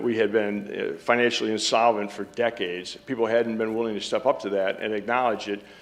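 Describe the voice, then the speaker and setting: A man with a Michigan accent at medium pitch and a fairly quick pace. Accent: Midwestern American (Michigan). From Detroit, Michigan. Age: 60s. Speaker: business executive. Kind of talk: keynote speech. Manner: halting, many fillers.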